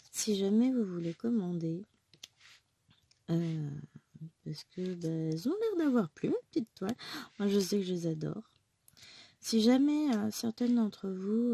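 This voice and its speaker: A woman's voice: mid-range voice, mellow, breathy edge. Chatty woman with a cold. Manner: chatty, rambling, self-correcting. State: has a cold. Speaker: crafting vlogger. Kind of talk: casual chat while stitching. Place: home. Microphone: phone close by.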